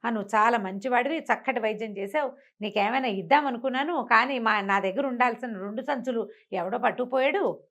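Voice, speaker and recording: A woman's voice: fairly high pitch, a little fast, a bit bright. A woman voicing a grateful male demon who speaks in an effusive, exclaiming way in a told folk story. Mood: grateful, regretful. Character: grateful male demon, relieved of his aches.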